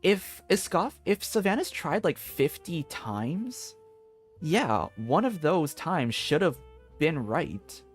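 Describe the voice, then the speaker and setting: A man streams a game and comments casually in a medium-pitched voice. He thinks aloud, stopping and restarting as he works out his point. Game music sits faintly behind him. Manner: halting, thinking aloud, repeats himself.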